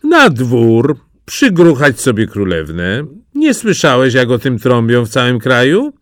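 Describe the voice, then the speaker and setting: A man's voice: mid-range voice, huge pitch swings, unhurried, no echo, clean studio sound. A man voicing two smug, learned brothers who mock their simple sibling in a storybook reading. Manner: scornful and mocking.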